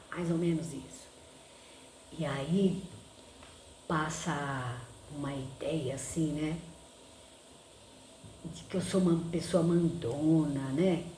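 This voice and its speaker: Brief: Brazilian woman, casual vlog chat, slow and mellow, lots of filler tags, echoey room. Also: sits low, a little hiss or hum. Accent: Brazilian Portuguese. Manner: chatty, filler-heavy with frequent "né?"; says she talks loudly. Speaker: vlogger.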